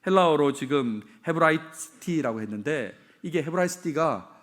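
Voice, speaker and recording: A man's voice: a little high, animated, moderate pace, fairly bright tone. A middle-aged man preaching a sermon as senior pastor, repeating key phrases and putting questions to the congregation.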